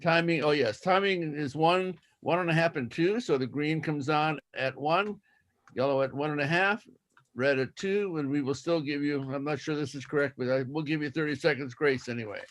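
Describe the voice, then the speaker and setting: Higher-pitched man, methodical contest emcee. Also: moderate pace. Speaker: contest toastmaster. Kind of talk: explaining contest rules to participants.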